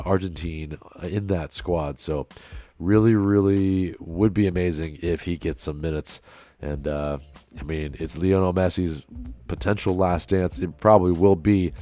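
Young guy hosting a soccer podcast, hoarse sore throat, super low voice, lots of uh and you know. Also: a little mellow. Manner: rambling, many fillers and restarts. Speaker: podcast host. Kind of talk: casual solo sports podcast.

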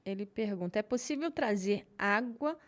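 A woman's voice: mid-range voice, lively intonation, normal speed. A woman, reading viewer names and questions aloud as co-host. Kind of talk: casual live-stream chat.

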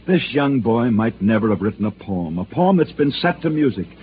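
A man hosting and narrating dramatic true stories in scripted radio style, with theatrical pauses. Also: medium pitch, very animated. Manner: theatrical storytelling with emphatic pauses. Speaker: sports storyteller host. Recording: tinny old radio broadcast with hiss.

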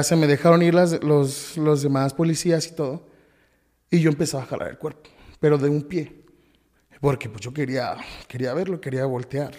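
Here a podcast guest, a man whose accent is Mexican Spanish, haltingly tells of something painful he went through, frequently starting over and repeating words. The voice is slightly high and mellow, with a big-room sound.

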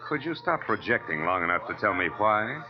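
An actor playing a wry, hard-boiled American private detective, terse and slangy, in 1940s radio style. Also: male voice, lowish voice, very animated, a little fast. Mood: impatient, sardonic. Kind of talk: 1940s radio acting and first-person narration. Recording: muffled old radio recording with music.

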